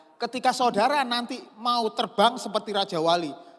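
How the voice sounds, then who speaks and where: A loud man speaks at an extremely high pitch with ordinary pitch variation. Noticeable background noise sits behind him. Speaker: preacher. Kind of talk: sermon.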